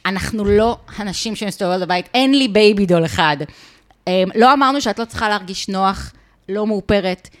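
Woman, Israeli accent, mid-pitched voice, podcast co-host, casual reality-show recap, opinionated, teasing, mimicking. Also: expressive. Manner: opinionated, teasing, mimics people she discusses.

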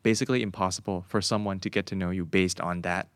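A man speaking as a guest in a relaxed conversation, reflective and explaining with examples, often slipping into English phrases. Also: low voice, extremely slow, smooth, no room sound, studio quality. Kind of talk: casual conversation.

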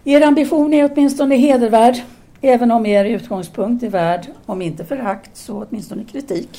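A woman's voice: fairly high pitch, warm tone, lightly acted. An actress playing a candid, brooding intellectual Parisian woman in an audio drama, speaking formal dialogue in an earnest, articulate way. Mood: probing, earnest.

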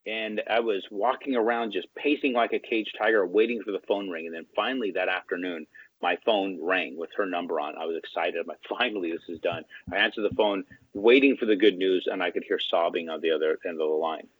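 A man with a low, husky voice tells a story as an interview guest in a loose, casual way. He acts out the quoted lines of the people in it as he goes. The sound is thin and tinny like a phone line, and dry, with no room echo. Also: a little fast. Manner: animated, acts out quoted dialogue.

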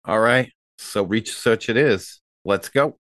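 Tabletop player, medium pitch, laconic, informal, dry close recording. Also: slow, a bit bright, dry recording. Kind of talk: casual game chat, describing character actions.

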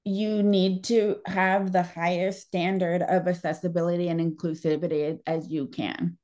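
Woman podcast host, audiologist; low mellow voice, earnest and emphatic. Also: flat delivery, moderate pace. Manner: earnest, emphatic advice-giving. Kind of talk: conversational interview.

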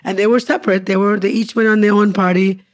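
A woman's voice: mid-range voice, fairly even intonation, fast talker. A woman in her forties co-hosting a casual couple's podcast, earnest and upbeat, stacking her points in lists. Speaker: podcast co-host.

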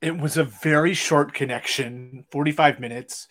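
A man co-hosting a live podcast, telling stories in a relaxed, easygoing way with some hesitation. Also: on the high side, normal speed. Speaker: podcast co-host. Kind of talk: casual live podcast chat.

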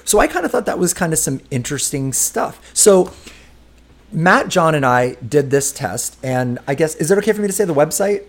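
A man's voice: on the high side, sing-song, moderate pace, creaky. A man in his fifties hosting a casual podcast chat, leading the talk in an easygoing, chatty way. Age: 50s. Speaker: podcast host.

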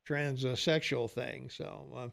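A retired man in his sixties co-hosting a casual talk radio show, halting with many fillers as he reads listener texts. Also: medium pitch, fairly even intonation, vocal fry, fairly bright tone. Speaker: radio co-host.

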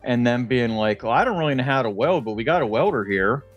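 A man's voice: mid-range voice, expressive, fast, dull audio, faint music behind. An American man co-hosting a podcast, telling stories in a casual, comedic way, swearing freely and laughing as he talks. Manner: laughs while talking, swears freely, jokey storytelling. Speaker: podcast co-host.

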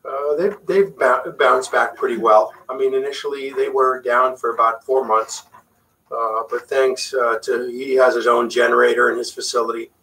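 Bright-voiced man, Spanish his first language. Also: mid-range voice, moderate pace, distant mic, poor audio. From Puerto Rico. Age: middle-aged. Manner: relaxed, chatty, frequent fillers. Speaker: facial plastic surgeon guest. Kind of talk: casual interview chat.

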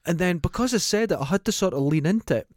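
A man co-hosting a casual film review chat, expressive and quick to laugh. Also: high-pitched, no echo. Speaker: podcast co-host. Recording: dry close sound.

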